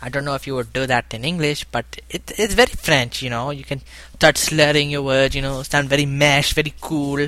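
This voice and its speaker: A man's voice: medium pitch, fairly even intonation, fairly quick, few pauses, sharp tone. A man co-hosting a comedic podcast, playful and agreeable, often repeating his words. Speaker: podcast co-host.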